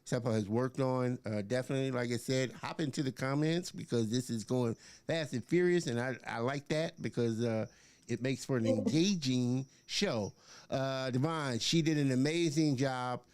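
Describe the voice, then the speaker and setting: Smooth-voiced male host, dry sound. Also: mid-range voice, normal speed, darkish tone, no room sound. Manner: upbeat, many filler words, reads viewer comments. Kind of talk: live-streamed interview show.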